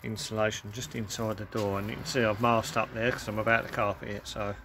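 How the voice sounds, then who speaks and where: A man's voice: lowish voice, level tone, brisk, fairly bright tone, slight background noise. A man casually talking through a van conversion job while he works in his garage workshop, sometimes drifting away from the camera mic. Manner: chatty, offhand, talks while working. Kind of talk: casual DIY commentary. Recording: background music, voice sometimes off-mic.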